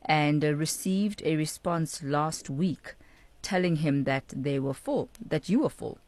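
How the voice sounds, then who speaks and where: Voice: mid-range voice, a little slow, darkish tone, no room sound. A radio host talking live, conversational, asking follow-up questions and speaking to listeners. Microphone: studio microphone.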